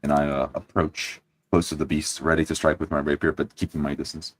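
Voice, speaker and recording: A man playing a tabletop game, improvising first-person descriptions of his character's actions in a halting, deliberate way. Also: extremely low pitch, level tone.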